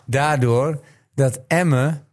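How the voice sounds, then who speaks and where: A man's voice: mid-range voice, steady tone, slow. Blunt man from Drenthe challenging a co-host. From Drenthe, Netherlands. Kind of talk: heated football chat.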